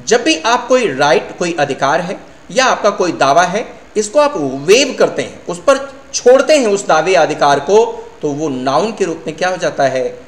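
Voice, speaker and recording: A man's voice: sits high, very animated, measured pace. A middle-aged male English teacher explaining word meanings to his students in Hindi, asking and answering his own questions. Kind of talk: vocabulary lesson. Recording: echoey room, faint hum.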